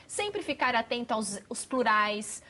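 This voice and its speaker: Woman speech therapist, fairly high voice, crisp didactic delivery, TV interview guest. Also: very animated, measured pace, pushed and bright. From Brazil. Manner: clear, careful, didactic articulation. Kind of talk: TV interview, explaining and demonstrating voice exercises.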